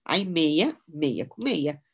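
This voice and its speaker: A middle-aged woman teaching in a loose, conversational way. Her voice sits fairly low, and she keeps tagging her sentences with little questions as she mixes personal stories into the lesson. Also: drawn-out words, gravelly, breathy edge. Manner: chatty, relaxed, often adds "né?" tags. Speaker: mind-mapping instructor. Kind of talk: casual teaching talk with personal anecdotes.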